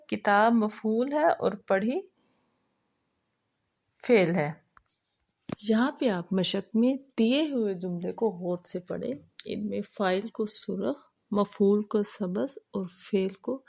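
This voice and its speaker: A woman teacher who explains an Urdu lesson to other teachers and recites verses slowly. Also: medium pitch, vocal fry, darkish tone. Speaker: teacher trainer.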